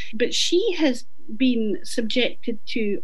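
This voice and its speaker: Over noticeable background noise, a woman speaks at a very slow pace. Her voice is high-pitched, with lively intonation. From northeast Scotland. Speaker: radio host. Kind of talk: casual radio interview.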